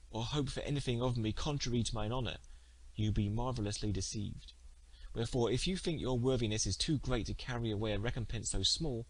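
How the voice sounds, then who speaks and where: A man reading the part of a virtuous, guarded young maiden in a storybook, speaking formally and with measured courtesy. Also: mid-range voice, natural voice, rough recording. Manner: formal, measured, principled speech. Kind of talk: storybook character dialogue.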